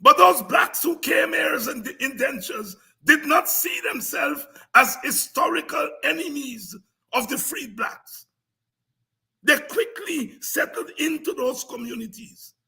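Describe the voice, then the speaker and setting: A man with a Guyanese accent giving an impassioned, informal history lecture as a programme host, emphatic, repetitive and combative, with a raspy, gravelly voice. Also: very high-pitched, sharp tone.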